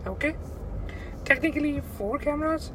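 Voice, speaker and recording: A man with a South Asian accent chatting casually to viewers, halting and repeating phrases for emphasis. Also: very high-pitched. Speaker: vlogger. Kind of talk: casual vlog chat. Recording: distant mic, loud outdoor traffic noise.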